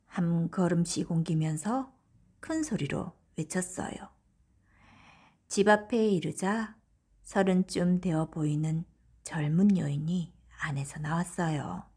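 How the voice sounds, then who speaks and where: A woman narrating a folktale audiobook for bedtime, in a gentle, breathy storytelling manner. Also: lowish voice, slow.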